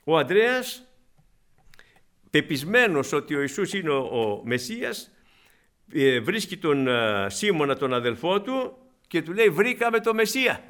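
A man's voice: on the high side, pushed and bright. A man preaching a sermon. He keeps calling the congregation beloved brothers and laughs as he tells his own stories.

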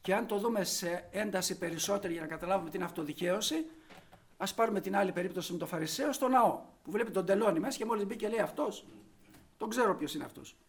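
A man preaching a sermon, fervent, rising to loud emphatic peaks. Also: sits high, slightly rough.

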